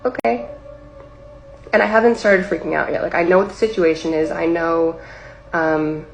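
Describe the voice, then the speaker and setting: Young woman with a gravelly, low voice. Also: fairly even intonation, fairly quick, faint music behind, poor audio. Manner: rambling, heavy use of "like" fillers. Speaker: storyteller recounting a personal experience. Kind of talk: casual spoken storytelling. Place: livestream or video setup.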